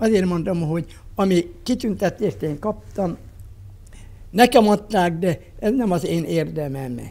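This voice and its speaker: A man speaks very slowly at a high pitch. His tone is dark and mellow, with lively intonation. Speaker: retired bishop. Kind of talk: testimony. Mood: reflective, earnest. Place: home room.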